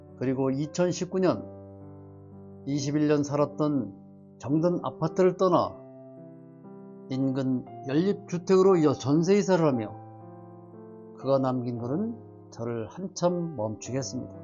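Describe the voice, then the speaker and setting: Over music in the background, a man with a fairly high pitch speaks at a very slow pace with lively intonation and long, frequent pauses. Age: 70s. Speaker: political commentary YouTuber. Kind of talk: emotional first-person political commentary.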